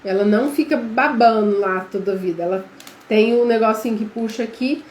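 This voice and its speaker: A woman's voice: fairly high pitch, fairly quick, darkish tone. A Brazilian woman teaching a live online class, chatty and quizzing her viewers. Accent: Brazilian Portuguese. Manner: chatty, addresses viewers as gente, quizzes them. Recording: echoey room with faint background noise.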